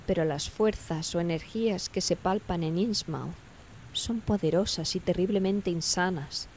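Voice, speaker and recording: Thoughtful, uneasy horror-drama investigator. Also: female voice, lowish voice, unhurried, a little mellow, a little hiss or hum. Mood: uneasy, reflective. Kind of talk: horror audio drama dialogue.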